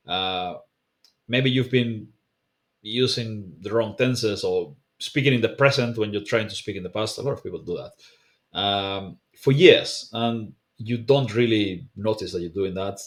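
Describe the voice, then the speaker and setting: Male language coach, non-native English speaker, lowish voice, loose conversational delivery. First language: not English. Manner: relaxed and conversational, frequent fillers and self-corrections. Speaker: language teacher. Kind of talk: casual explainer video, talking to camera.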